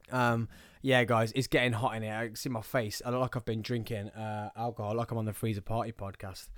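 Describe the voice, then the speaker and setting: An animated man with a Birmingham accent, medium pitch and moderate pace. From Birmingham, English Midlands. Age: young. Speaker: podcast host. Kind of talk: casual chat. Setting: studio.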